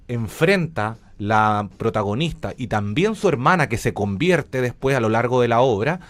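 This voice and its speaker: Male interview guest, Chilean accent, medium pitch, conversational, explanatory, wanders off on tangents. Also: no echo. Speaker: interview guest, radio drama director.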